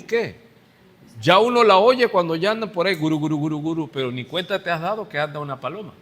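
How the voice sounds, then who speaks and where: A man's voice: sits high, bright, forceful tone. A male pastor with a Mexican Spanish accent, preaching a sermon and quizzing the congregation with rhetorical questions. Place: church. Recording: church hall reverb.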